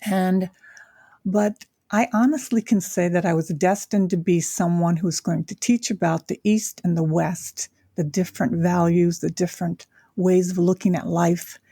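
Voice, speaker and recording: Older woman guest from Japan, husky low voice, unhurried and reflective with many pauses, dry sound. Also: fairly even intonation, mellow, no echo. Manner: reflective, with frequent pauses and fillers. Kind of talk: casual interview chat.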